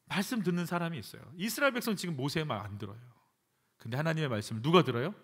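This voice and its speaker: A man's voice: fairly high pitch, lively intonation, rapid-fire, slightly rough. A man, a pastor, preaching a sermon in a church, acting out prayers with emphatic repetition. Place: church sanctuary.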